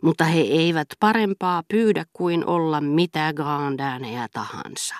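A woman's voice: low voice, dry recording, studio quality, pitched above the performer's own voice. A woman voicing an elderly aristocratic marquise who speaks curtly and dismissively in an audiobook. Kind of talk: audiobook character reading.

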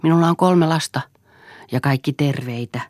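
A woman's voice: low-pitched, darkish tone, dry recording, clean studio sound, natural voice. A woman reading aloud and voicing a grieving, helpless widow. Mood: subdued.

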